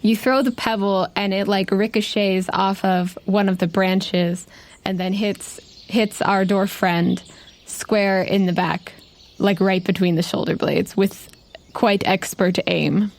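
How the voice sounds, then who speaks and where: A woman's voice: mid-range voice, fairly even intonation, slow pace. A woman running a tabletop game, improvising narration in an informal, conversational way. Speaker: game master.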